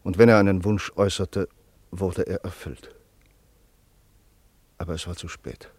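A man narrating a German radio play in a sober, measured and solemn style. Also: deep voice, steady tone, darkish tone, husky, no echo, heavily acted.

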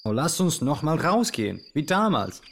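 A man's voice: fairly high pitch, sing-song, moderate pace, slight background noise. A man playing a showy, chatty Yugoslav radio host who charms and coaxes his listeners in a theatrical show. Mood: wistful, rousing.

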